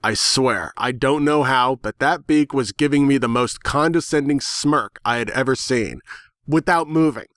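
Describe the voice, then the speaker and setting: Man, mid-pitched, sardonic, expressive, dramatic first-person fiction narration, close dry recording. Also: moderate pace, no echo.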